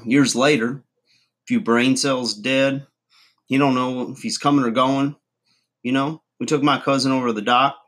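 A man plays a folksy redneck guru, rambling through a comic advice monologue delivered straight to camera on a comedy channel. His everyday mid-pitched voice is pushed and bright as he chuckles, trails off, and mangles big words.

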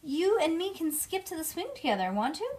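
A woman's voice: extremely high pitch, very animated, a little fast, darkish tone, pitched above the performer's own voice. A woman voicing a competitive, indignant kindergarten girl who exclaims and taunts in a storybook read-aloud. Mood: gleeful.

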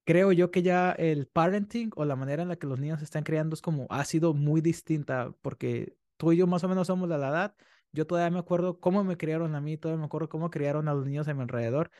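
Male host, 30s, Mexican accent, rambling questioner, slightly high voice, dry sound. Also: a little mellow, dry recording. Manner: rambling questions, acts out kids. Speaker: podcast host. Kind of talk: casual interview.

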